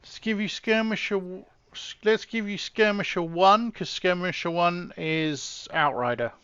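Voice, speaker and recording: A man's voice: high-pitched, measured pace, sharp tone, clear, resonant tone, dry recording, highs cut off. A man casually chatting with his live-stream audience while setting up soldiers in a game, often trailing off and restarting.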